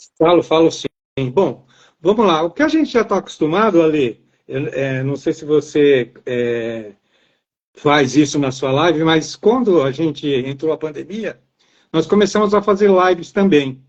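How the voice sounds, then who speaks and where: An ordinary speaking voice from a man, fairly high in pitch, lively in intonation, at a fairly slow pace. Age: 60s. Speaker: adaptive sports athlete and NGO representative. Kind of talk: casual interview on a live stream. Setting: video call live stream from home.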